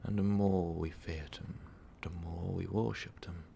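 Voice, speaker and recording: A man playing an ancient, brooding vampire overlord in an intimate ASMR roleplay, speaking in a weary, halting, breathy whisper. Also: fairly even intonation, warm tone, lo-fi sound, slight background noise, heavily acted. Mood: somber, reminiscing. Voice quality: breathy, gravelly low whisper. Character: ancient, brooding male vampire overlord, tormented former rebel.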